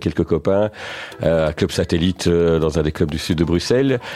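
The speech has ordinary pitch variation over noticeable background noise. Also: man. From Brussels, Belgium. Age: 50s. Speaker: construction company executive. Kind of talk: radio interview. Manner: hesitant, many fillers.

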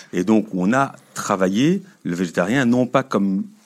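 Here is a plain, everyday voice from a man at medium pitch. His intonation is lively. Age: 40s. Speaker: investor, former lawyer. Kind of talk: radio interview. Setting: radio studio.

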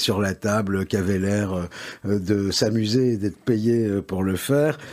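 A man talks with a slight Parisian accent, a fairly low pitch, and fairly even intonation. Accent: slight old Parisian. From Paris, France. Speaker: advertising agency founder. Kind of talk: interview. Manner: halting, many fillers.

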